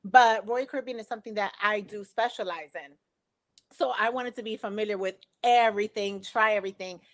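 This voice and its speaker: A woman's voice: medium pitch, a little fast. A woman from Philadelphia in her thirties, co-hosting a casual chat, earnest and explaining things at length. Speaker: co-host, travel agent.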